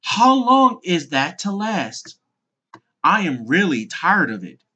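A narrator plays a storybook mother duck, worn out but proud of her brood. The voice lifts high and swings widely in pitch. The manner is chatty, fretful and fond. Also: sing-song, slow, pushed and bright, husky, exaggerated voice. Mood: weary, fretful.

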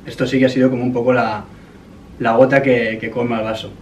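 A man's voice: medium pitch, level tone, fast talker, highs cut off. A man in his twenties with an accent from Spain, explaining himself in casual, serious conversation and repeating phrases. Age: 20s. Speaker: YouTuber making a prank call. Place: indoor gaming room at a desk. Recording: slightly distant mic, faint noise.

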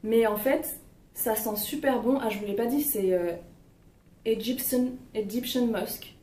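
On the high side and mellow, her voice moves at a moderate pace as she casually discusses products she likes. Fillers and hesitations pepper her talk, recorded at home through a distant mic in a roomy space with faint noise.

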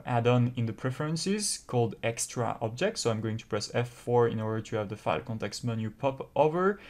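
A man with a French accent talking through a step-by-step software tutorial, explaining carefully with frequent pauses. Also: mid-range voice. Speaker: tutorial host.

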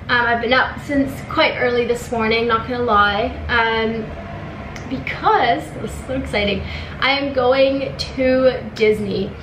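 A woman's voice: on the high side, echoey room, background noise. A young woman from Venezuela chatting casually to camera as a lifestyle vlogger, upbeat with many fillers, in her apartment. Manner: chatty, lots of ums and likes, upbeat. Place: bright apartment room, indoors. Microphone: camera in front at desk.

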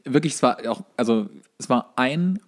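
A man's voice: medium pitch, lively intonation, moderate pace. A man co-hosting a podcast, telling anecdotes in a colloquial, conversational way. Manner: colloquial storytelling. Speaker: podcast co-host. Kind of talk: casual chat, anecdotes.

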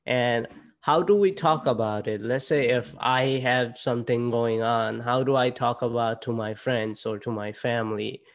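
A young man from Nepal with a Nepali accent, presenting casually to students on a video call through a laptop mic, halting and restarting often. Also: mid-range voice, fairly even intonation. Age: young adult. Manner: halting, with frequent fillers and restarts. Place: indoor room at home. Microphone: laptop webcam on a video call.

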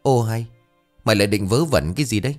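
A man's voice: lowish voice, expressive, fast talker, soft background music, close to an everyday voice. A man doing a blunt scolding village friend.

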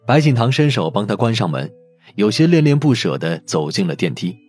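A man's voice: lowish voice, sing-song, brisk, darkish tone, soft background music. A man reading a novel aloud as a dramatic audiobook narrator.

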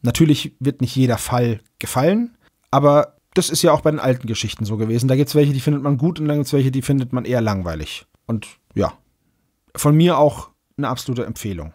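A man hosting a podcast, speaking in a conversational way with a slightly husky voice. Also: mid-range voice, brisk, darkish tone. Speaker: podcast host. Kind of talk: casual podcast chat and announcements.

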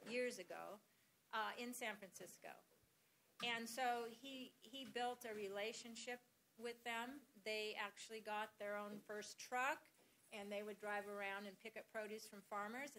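A woman's voice: mid-range voice, pushed and bright, a little hiss or hum, poor audio. A woman presenting slides at a farm workshop, talking conversationally with many fillers and restarts.

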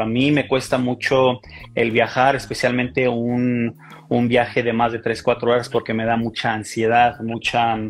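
Mexican-accented male guest, gravelly, halting, heard over a video call. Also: mid-range voice. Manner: hesitant, many fillers and restarts. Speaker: interview guest, micropigmentation artist. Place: small indoor room.

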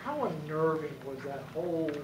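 A man's voice: on the high side, lively intonation, moderate pace. A man, a sports reporter, asking questions at a press conference, often stopping and restarting his sentences. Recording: distant, echoey, noisy press room.

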